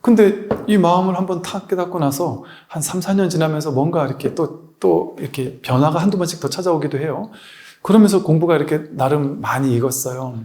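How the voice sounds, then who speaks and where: Male Buddhist teacher, a bit high-pitched, relaxed lecture style with anecdotes and rhetorical questions. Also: brisk. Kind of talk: dharma lecture.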